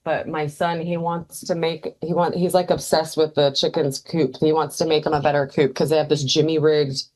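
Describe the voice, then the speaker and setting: A woman with a low voice co-hosts a casual podcast chat. She talks bluntly, swears freely and laughs often. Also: level tone, normal speed, a little mellow. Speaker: podcast co-host.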